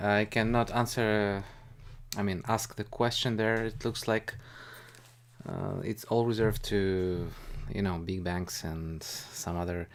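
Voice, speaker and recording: A man hosting a live stream, talking casually and a bit hesitantly in a rambling, informal way about investing. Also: low voice.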